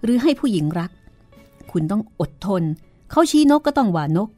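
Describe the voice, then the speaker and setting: A woman's voice: fairly high pitch, sing-song, normal speed, a little mellow, no echo, faint music behind, voice pushed up. Woman reading as a blunt, lecturing man. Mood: scolding. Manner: scolding, advising.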